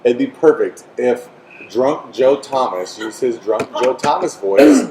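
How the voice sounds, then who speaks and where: A man's voice: mid-range voice, expressive, unhurried, dark tone, roomy sound, a little hiss or hum, rough recording. A Midwestern American man hosting a comedy podcast in a casual, rambling way, laughing often and repeating his words. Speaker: podcast host.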